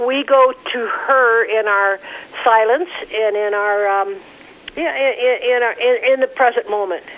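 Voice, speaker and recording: A woman with an American accent speaks in a high pitch with ordinary pitch variation at a very slow pace. Long, frequent pauses break her speech over noticeable background noise. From US Midwest, Michigan. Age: 70s. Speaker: nun and retired teacher. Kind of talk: interview, personal testimony. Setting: phone call, sitting on her bed.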